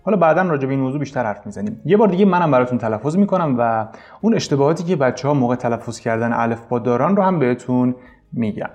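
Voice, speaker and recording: A man's voice: mid-range voice, lively intonation, darkish tone, soft background music. A man teaching an English lesson casually, coaching his students and repeating each correction.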